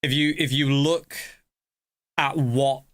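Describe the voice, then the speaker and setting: A male streamer reacting live, excited and rambling with many restarts. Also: mid-range voice, slow.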